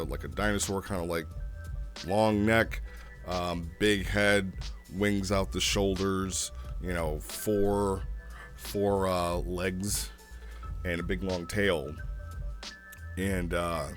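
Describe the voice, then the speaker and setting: A man giving casual, amused commentary as a host retelling roleplay stories in a halting way. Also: low voice. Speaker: host reviewing online roleplay sessions.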